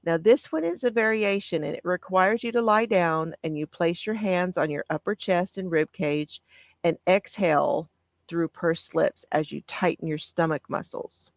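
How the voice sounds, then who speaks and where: A woman hosting a casual live stream, with a soft, calming voice, reading out notes on breathing and answering viewer comments. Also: lowish voice, dry recording. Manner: gentle, reads aloud with pauses and answers viewer comments. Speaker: craft channel host.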